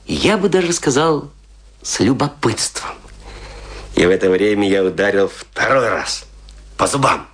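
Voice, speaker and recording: An actor playing a boastful, scornful provincial tragedian in a radio play, telling his tales theatrically with emphatic, pointed pauses. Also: lowish voice, lively intonation, fairly bright tone. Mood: gleeful menace. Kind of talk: dramatic radio play monologue.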